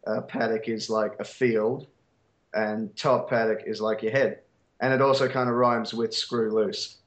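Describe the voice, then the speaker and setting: A man's voice: lowish voice, little pitch movement, measured pace. Aussie guy w a broad accent, laid-back dry jokes, echoey room. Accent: broad Australian. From Australia. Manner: laid-back, explains slang with dry humor. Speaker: podcast co-host. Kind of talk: casual chat.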